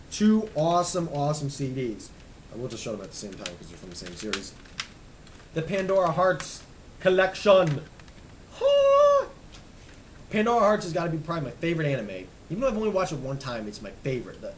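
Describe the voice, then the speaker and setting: A young man casually rambling as he shows off his music collection, stammering and restarting, hoarse and losing his voice. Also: mid-range voice, a little hiss or hum, low-quality recording. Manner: enthusiastic, rambling, stammers and restarts, trails off quietly. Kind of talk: casual rambling show-and-tell.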